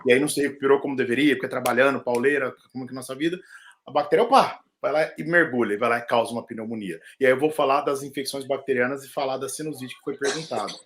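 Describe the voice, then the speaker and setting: A middle-aged man, a lung doctor, explaining respiratory infections in an animated, casual way with jokey asides during a live video chat. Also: mid-range voice, quick pace, a little hiss or hum. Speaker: pulmonologist.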